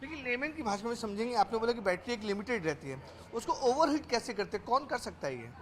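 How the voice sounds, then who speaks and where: A man's voice: extremely high pitch, big pitch swings, quick pace, a bit bright. A man reporting for television news, explaining things on camera in an emphatic way and repeating phrases as he goes. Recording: clear background noise.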